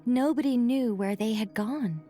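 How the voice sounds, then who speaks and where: A woman voicing a serene, mysterious and quietly playful mage in a video game. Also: on the high side, measured pace, over music, close to an everyday voice.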